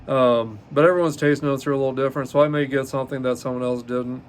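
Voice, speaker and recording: A man in his fifties hosting a solo podcast, reading from notes in a halting way with many ums and uhs and frequent self-corrections. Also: mid-range voice, fairly even intonation, slight background noise. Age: 50s. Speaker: podcast host.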